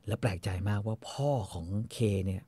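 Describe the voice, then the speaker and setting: A man's voice: animated, a little fast, warm tone, breathy edge. A man retelling a story in casual chat, acting out the characters' lines. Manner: acts out quoted characters with shifting pitch.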